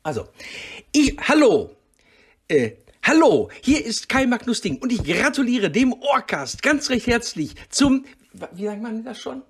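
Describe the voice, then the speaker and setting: A man giving a rambling comic message in a husky voice, muddled, interrupting himself and muttering asides. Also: extremely high pitch. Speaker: guest giving a congratulatory message. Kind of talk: rambling comedic monologue.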